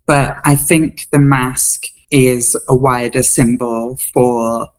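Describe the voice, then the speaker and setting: A woman's voice: a bass voice, steady tone, slow, a little mellow, poor audio. A woman speaking as an interview guest, reflecting in an earnest, thoughtful way. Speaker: interview guest, comedy performer.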